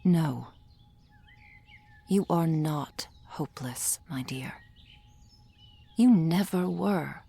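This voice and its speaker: A woman playing a gentle, reassuring soul healer in an ASMR roleplay, speaking in a soft, formal whisper. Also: low voice, very slow, creaky, long pauses, husky, full character voice. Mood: soothing whisper.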